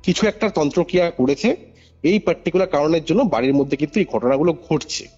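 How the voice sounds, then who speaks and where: Fast-talking man on a muffled call. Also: a little high, animated, mellow, husky. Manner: emphatic, repeats phrases and checks the listener follows. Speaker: caller recounting a paranormal case. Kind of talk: animated informal spoken storytelling. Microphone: phone call. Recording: muffled phone call recording over music. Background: music.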